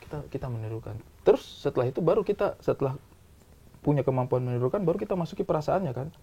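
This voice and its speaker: A man talking as a film director, explaining his views with examples in a casual, animated way. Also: on the high side, fast talker, gravelly, husky. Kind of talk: casual discussion.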